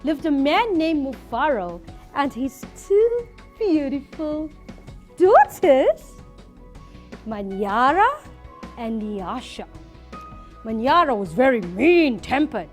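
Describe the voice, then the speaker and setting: A woman teaching a reading lesson to a class, lively and playful. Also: high voice, slow pace, long pauses, soft background music. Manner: lively, switching to a playful storyteller persona.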